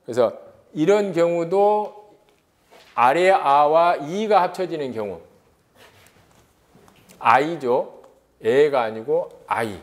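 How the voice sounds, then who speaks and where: Lively Korean lecturer, rhetorical questions. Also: male voice, a little high. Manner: lively, rhetorical questions, drawn-out vowel examples. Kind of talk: exam-prep lecture.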